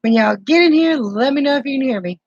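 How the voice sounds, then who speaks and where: A woman's voice: high voice, animated, fast, dry recording, highs cut off. A woman in her forties with a Southern US accent chats casually to viewers on a live stream, greeting them by name while soothing a grandbaby. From Southern United States. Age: 40s. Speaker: keto vlogger hosting a live stream.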